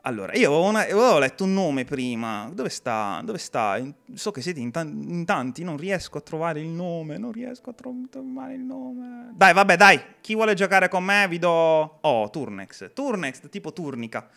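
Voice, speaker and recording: A man's voice: a little high, expressive, normal speed, vocal fry, hardly any pauses, a bit bright. A young man hosting a live gameplay stream, chatting and reading viewer comments in a jokey way. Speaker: game streamer.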